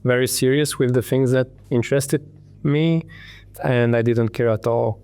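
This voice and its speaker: A man from Hungary in his thirties, a tech entrepreneur telling his story in an interview, halting with many ums and restarts. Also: medium pitch, steady tone, a little mellow, clear, resonant tone, soft background music.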